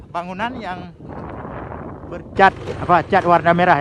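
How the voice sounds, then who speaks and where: Over noticeable background noise, a man with a high pitch talks with an Aceh accent. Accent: Acehnese-accented Indonesian. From Aceh, Sumatra, Indonesia. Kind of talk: casual vlog talk to camera. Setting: outdoors.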